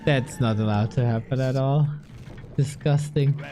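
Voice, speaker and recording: A man's voice: medium pitch, expressive, slow, over music. A man doing live gaming commentary as a streamer, full of exclamations and muttered grumbles. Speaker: game streamer.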